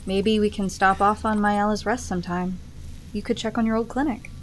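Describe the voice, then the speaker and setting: A woman's voice: mid-range voice, fairly even intonation, normal speed, a little hiss or hum, lightly acted. A woman acting in an audio drama as a wry privateer starship captain, with dry banter. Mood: relaxed, wistful.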